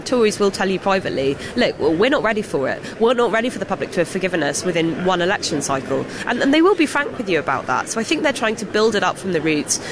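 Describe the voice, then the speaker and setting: A hoarse woman, a political correspondent giving analysis down the line on live radio. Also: medium pitch. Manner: fast, fluent, talks in quick runs.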